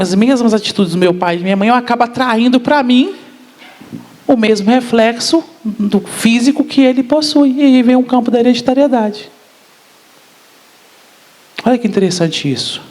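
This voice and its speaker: A man giving a spiritist public lecture, often asking the audience questions. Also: very high voice. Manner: asks the audience questions, animated.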